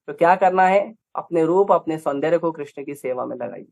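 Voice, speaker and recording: A man's voice: on the high side, animated, brisk, gravelly, a little mellow. A man with an Indian accent giving a scripture lecture, emphatic, with rhetorical questions and repeated lists. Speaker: preacher.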